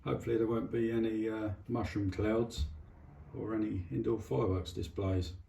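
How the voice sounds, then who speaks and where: Working hands-on to repair a radio, a hobbyist thinks aloud in a low-leaning, level voice at a moderate pace. His commentary is casual, hesitant and understated, captured in a clearly noisy home recording full of clicks.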